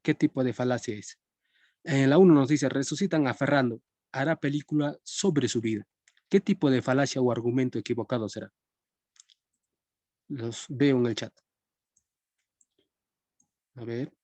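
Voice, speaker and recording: Young male teacher, chatty and conversational, warm mellow tone, dry close recording. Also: medium pitch, steady tone, moderate pace, long pauses, dry recording. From Peru. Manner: conversational, checks in with students often. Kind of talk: live-streamed philosophy class.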